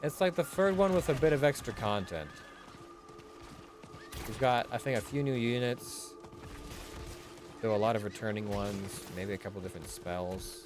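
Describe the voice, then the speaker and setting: A man casually commenting while he streams a video game, chatting in a relaxed way over its dialogue. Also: on the low side, moderate pace, pauses often, noisy background.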